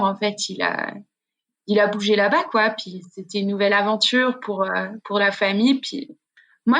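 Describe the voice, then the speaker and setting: A woman's voice: mid-range voice, fairly bright tone. A woman from Switzerland, a podcast guest, telling stories in a chatty, slangy way with many restarts. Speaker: guest, freestyle skier. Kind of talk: casual podcast chat.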